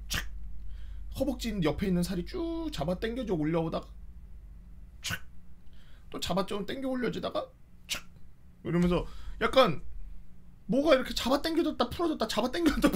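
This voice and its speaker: A young man telling a funny story in a casual, animated way, often shouting and wailing as he acts out the scenes. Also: high voice. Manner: animated, shouts and wails while acting out scenes.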